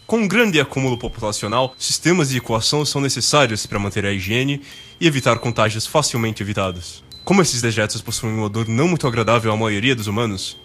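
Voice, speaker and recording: A dryly sarcastic radio-play narrator acted by a man with a Brazilian accent and mid-pitched voice. He is pedantic and deadpan in documentary fashion, with faint music beneath. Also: fast, close to an everyday voice. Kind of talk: scripted radio drama narration.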